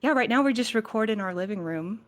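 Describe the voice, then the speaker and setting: A woman's voice: a little high, expressive, quick pace. A woman talking casually as a cast member on a podcast panel.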